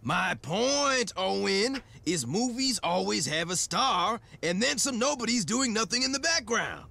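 Gravelly, high-pitched, excitable cartoon teacher. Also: male voice, a little slow, heavily acted. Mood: blunt dismissal. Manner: theatrical, blunt. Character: excitable, blunt, uncaring adult male daycare teacher. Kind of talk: cartoon acting.

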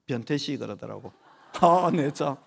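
A man's voice: medium pitch, animated, a little slow, gravelly, slightly rough. A man in his forties with a Gyeongsang accent, preaching a sermon in a church and joking with the children in the pews. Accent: Gyeongsang Korean. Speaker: pastor. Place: church sanctuary during worship.

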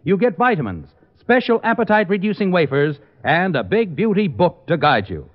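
A man's voice: sits high, sing-song, moderate pace. A polished, salesmanlike man announcing for a sponsor in 1940s radio style. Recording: muffled old radio broadcast, music behind.

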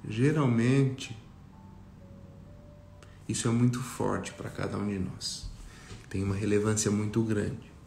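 A Brazilian man leading a guided meditation talk for a group, speaking reflectively with long pauses. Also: fairly low pitch, steady tone, gravelly, darkish tone, a little hiss or hum. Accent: Brazilian Portuguese. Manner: slow, pausing, reflective. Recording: roomy echo, faint music behind.

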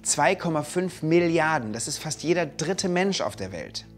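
Man in his thirties, kids' show host, animated pitch, enthusiastic and clear, music behind. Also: moderate pace. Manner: enthusiastic, clear, speaking to kids. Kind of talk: educational narration for children. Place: colorful indoor studio set.

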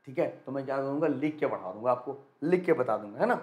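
A young male teacher running a live quiz lesson, energetic and repetitive, urging students to answer quickly. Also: mid-range voice, echoey room. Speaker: online exam-prep teacher.

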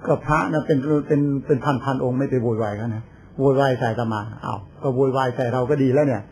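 Older monk telling stories in a sermon. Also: male voice, mid-range voice, fast talker, vocal fry, mellow, a little hiss or hum. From Thailand. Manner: chatty storytelling with laughs and quoted voices. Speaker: Buddhist monk. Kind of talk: informal sermon.

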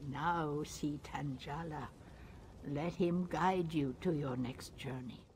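An actress playing a calm, mystical alien tribal wise woman in a video game, measured and formal. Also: sits low, slight background noise. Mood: cryptic. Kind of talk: video game character acting.

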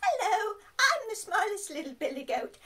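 A woman's voice: very high voice, sing-song, normal speed, sharp tone, recorded from a distance, voice pushed up, exaggerated voice. A woman voicing a timid young male billy goat in a storytelling puppet show, pleading in a little sing-song. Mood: cheerful.

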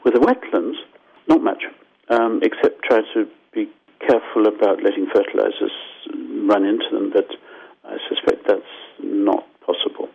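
An older man from Zimbabwe, a scientist guest explaining things thoughtfully in a radio interview, with restarts and lively asides. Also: lowish voice, normal speed, vocal fry, husky. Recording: dull lo-fi phone line.

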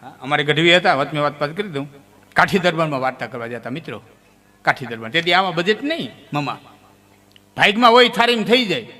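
Guy telling funny folk stories on stage, bright ringing voice, long hall echo. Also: a little fast. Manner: lively, jumps suddenly high in pitch while telling stories. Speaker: folk storyteller. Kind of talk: folk comedy storytelling on stage.

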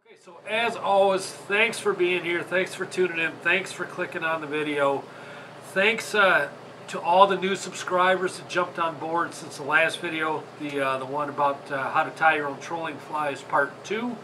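A man's voice: a little high, normal speed, noisy background. Stuffy-nosed Michigan man chatting. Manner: chatty, rambling, apologetic. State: congested from a sinus infection. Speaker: fishing channel host. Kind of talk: casual how-to video. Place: indoor tackle workshop.

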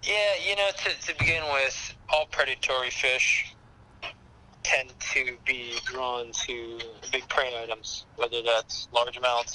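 A man heard through a speakerphone, talking casually as a guest fishing expert with dry, deadpan humor. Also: medium pitch, slight background noise, low-quality recording. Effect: speakerphone call. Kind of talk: casual phone conversation.

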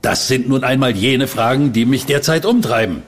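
An actor playing an impatient widowed gentleman at a séance, formal and irritable, breaking into stammers. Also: medium pitch, normal speed, natural voice. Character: uneasy, impatient widowed gentleman client, growing frightened. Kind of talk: radio play acting.

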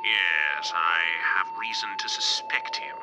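An actor playing a mysterious, menacing avenger in an old-time radio drama, speaking ominously and often dropping to a whisper. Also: male voice, lowish voice, huge pitch swings, slow, noisy background, full character voice. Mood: secretive, commanding. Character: mysterious menacing crime-fighting avenger with sinister laugh. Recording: muffled old-radio sound, loud music.

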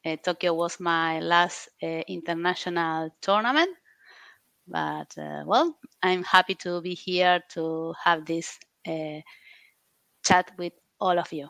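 Slow-speaking woman, bright clear tone. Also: fairly low pitch, no room sound. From Argentina. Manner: unhurried, halting non-native phrasing. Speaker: retired international hockey umpire, guest. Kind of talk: online panel talk. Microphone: computer mic on a video call.

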